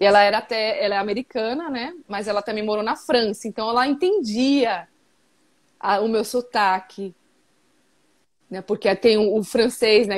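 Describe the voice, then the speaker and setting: Her voice is fairly high, with ordinary pitch variation at a moderate pace. This woman leaves long, frequent pauses. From Brazil, Alagoas (Northeast). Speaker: yoga teacher. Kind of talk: interview, live video chat. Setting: live video call. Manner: halting, many repetitions.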